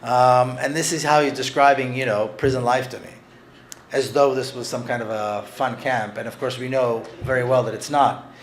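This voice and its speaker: A man's voice: mid-range voice, fairly even intonation, slight background noise. A man talking earnestly about his book, often restarting his phrases. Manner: earnest, halting with frequent restarts. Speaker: author discussing his book. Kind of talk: conversational talk with read-aloud passages.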